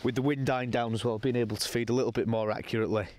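A young man talking casually to camera while fishing from a lake bank outdoors, explaining his session in a relaxed, matter-of-fact way. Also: medium pitch, very fast. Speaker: angler presenting a fishing session.

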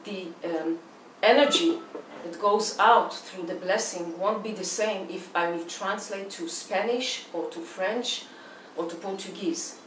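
Guesting as an artist, a woman in her forties from Israel speaks with a medium pitch at a measured pace, barely pausing. Hebrew is her first language and her accent is Israeli; she considers each interview question carefully and frequently starts phrases over. The plain-walled room sounds echoey, with a distant mic and faint hiss.

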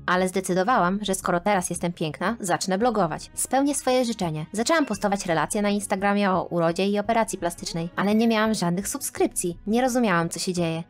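A woman reading a scripted first-person animated story aloud, with expressive, dramatic storytelling. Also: medium pitch, a little fast, hardly any pauses. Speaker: narrator. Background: faint background music.

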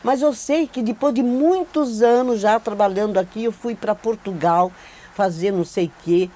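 Her mid-range voice carries a dark tone and moves at a moderate pace as this older woman, a Brazilian actress, tells her career story animatedly and repeats points for emphasis. It's a seated oral-history interview in a plain-backdrop studio, captured on a clip-on lapel mic.

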